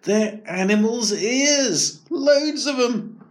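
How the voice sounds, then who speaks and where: A man voicing a curious, excitable young boy in a storybook reading, full of eager questions. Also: very high voice, slow pace, pitched above the performer's own voice, exaggerated voice.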